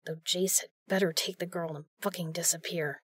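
Woman as tough female agent, protective, blunt, matter-of-fact, lowish voice, dry close sound, audio drama. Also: steady tone, brisk, slightly rough, dry recording. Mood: worried, apologetic.

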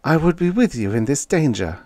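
A man puts on a devoted young tribal woman for an audiobook. The voice is lifted well above his own, pleading and formal, with lively intonation. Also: on the high side, normal speed, pitched above the performer's own voice.

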